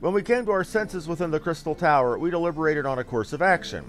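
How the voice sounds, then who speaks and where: A man's voice: a little high, quick pace, soft background music, natural voice. A man voicing a solemn ancient guardian from a fantasy game, speaking in formal, archaic phrases. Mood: grave, resolute. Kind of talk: fantasy game dialogue read aloud.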